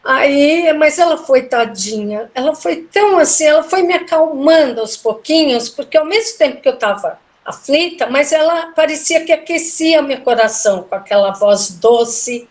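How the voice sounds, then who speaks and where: A middle-aged woman with a fairly high voice tells a personal story in relaxed conversation. She retells it with feeling and slips into the voices of the people she quotes. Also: normal speed, hardly any pauses. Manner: emotional, animated retelling with quoted dialogue. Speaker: guest telling a personal story. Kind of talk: casual storytelling interview.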